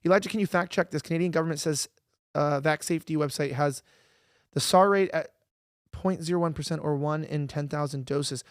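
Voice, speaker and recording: A man's voice: a little high, fairly quick, no room sound, studio quality. A young man hosting a casual show, rambling and correcting himself as he reads viewer comments. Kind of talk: casual chat.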